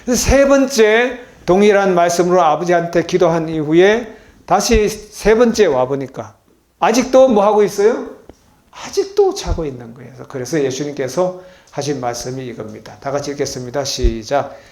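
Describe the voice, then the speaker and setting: Animated gravelly-voiced man preaching a sermon. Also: normal speed. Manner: animated, swings from loud exclamations to soft low asides, calls for group responses. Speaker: pastor. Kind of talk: sermon with congregation reading along. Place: healing center meeting hall. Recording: echoey hall.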